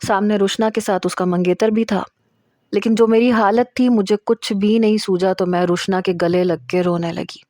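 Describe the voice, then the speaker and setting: A woman's voice: medium pitch, steady tone, a little mellow, dry recording, studio quality. A woman narrating a suspenseful first-person story in a tense telling.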